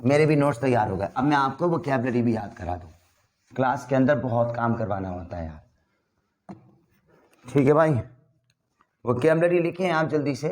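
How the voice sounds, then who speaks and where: A man's voice: mid-range voice, animated, moderate pace, pauses often, a little mellow. A man teaching an English vocabulary lesson to a class, drilling words by repeating them and checking in with his students.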